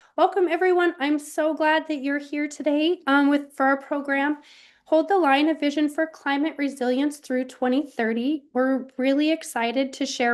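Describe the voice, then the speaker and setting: A loud woman with a high pitch speaks in an American accent at a moderate pace. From Montana. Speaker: nonprofit development director and webinar moderator. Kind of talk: webinar moderation. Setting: online webinar. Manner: speaking as loudly as she can.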